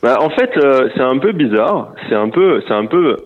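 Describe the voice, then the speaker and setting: This phone interview features a Normandy winery manager in his thirties with a medium-pitched voice, animated and at a moderate pace. He stumbles with many fillers and restarts, and the telephone line sounds muffled.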